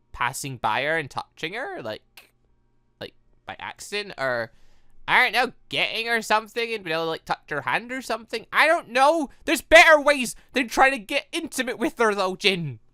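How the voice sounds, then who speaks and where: Animated, bright-voiced gaming commentator. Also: medium pitch, moderate pace, dry recording, studio quality. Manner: rambling, excitable. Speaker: video game let's-player. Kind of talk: casual gameplay commentary and read-aloud.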